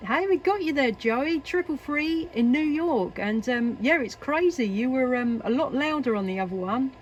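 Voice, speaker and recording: An English woman chats casually as a CB radio operator and video maker from her home workshop, hesitant but chatty. Her high voice has lively intonation at normal speed. The lo-fi recording is noisy with radio static and hiss.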